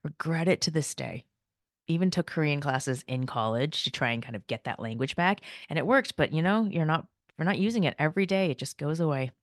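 Low-voiced chatty woman in her forties. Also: fairly quick, dry recording, clean studio sound. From United States. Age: 40s. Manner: chatty and light-hearted, laughs often, many fillers. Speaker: podcast host. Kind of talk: casual personal chat.

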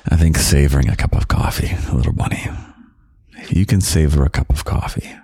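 Very deep, gravelly whispering man. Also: no echo, clean studio sound. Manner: gentle, slow and half-whispered, with soft chuckles. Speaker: podcast host. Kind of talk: soft-spoken ASMR comfort talk. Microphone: close microphone.

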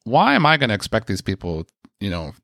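A man from the States tells a story in a loose, chatty way, full of fillers and side tangents. His voice sits fairly low. The recording is dry and close, with almost no room sound. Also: wildly swooping pitch, brisk, creaky, a bit bright, dry recording. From United States. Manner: rambling, chatty, lots of fillers and asides. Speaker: speaker sharing a personal story. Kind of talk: casual storytelling.

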